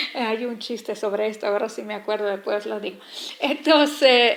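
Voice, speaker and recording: Noticeable background noise sits behind a woman whose voice has a fairly high pitch. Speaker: video blogger. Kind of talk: casual monologue. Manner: hesitant, many fillers.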